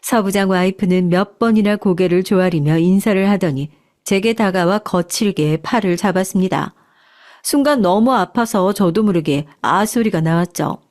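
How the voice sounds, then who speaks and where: A woman narrating a first-person story in a calm, measured way. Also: mid-range voice.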